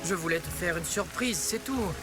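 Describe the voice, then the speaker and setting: A man's voice: high voice, moderate pace, music in the background, close to an everyday voice. A man voicing an eager, well-meaning teenage boy in a French cartoon dub, speaking earnestly. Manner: earnest, apologetic.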